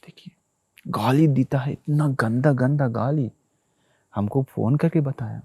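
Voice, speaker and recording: A monk preaching a sermon to listeners, telling a story, repeating phrases and addressing them directly. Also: male voice, mid-range voice, unhurried, a little mellow, breathy edge, no room sound.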